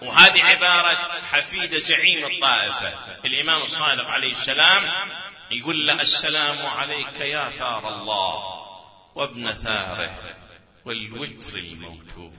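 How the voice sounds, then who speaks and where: A man's voice: mid-range voice, moderate pace. A man preaching a mourning sermon, his delivery lamenting and half-chanted. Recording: lo-fi recording with long hall reverb.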